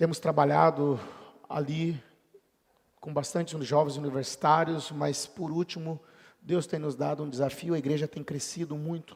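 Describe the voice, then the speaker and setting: Fairly even intonation at a fairly slow pace. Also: man. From interior of São Paulo state, Brazil. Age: 40s. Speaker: pastor. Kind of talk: sermon. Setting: church.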